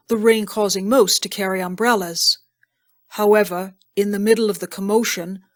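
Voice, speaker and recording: A woman's voice: mid-range voice, no echo, studio quality. A woman reading scene directions as scripted narration for an audio drama.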